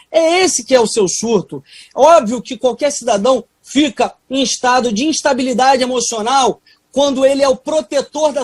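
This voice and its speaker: A woman's voice: high voice, darkish tone, dry recording. A Brazilian Portuguese-speaking woman, a legislator, giving a combative, emphatic speech in a parliamentary session.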